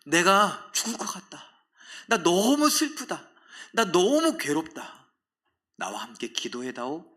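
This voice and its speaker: An anguished grown man begs in prayer to be spared, his pleas trembling and drawn out, as a preacher acts him out. The voice rises high and bright, swinging widely as he cries out. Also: sing-song, measured pace, full character voice. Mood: anguished pleading.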